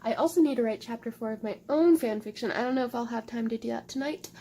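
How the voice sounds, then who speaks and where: A woman's voice: fairly high pitch, quick pace, mellow. A young woman chatting casually at home in a book vlog, gushing, giggly and swearing freely. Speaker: book vlogger. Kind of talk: casual chat.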